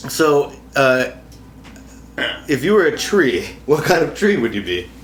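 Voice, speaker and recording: A man's voice: mid-range voice, big pitch swings, unhurried, reverberant, rough recording. A man hosting a casual comedy show, interviewing guests and introducing games in a loose, joking, improvised way.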